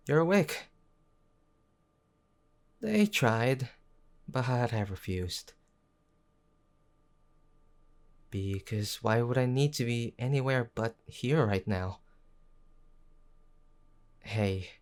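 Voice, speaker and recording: Man acting a slow-talking, stubborn, worried young boyfriend. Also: medium pitch, lively intonation, a little mellow. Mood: defensive, reassuring. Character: gruff young tsundere boyfriend, worried, stubborn, tender underneath. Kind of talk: intimate audio roleplay acting.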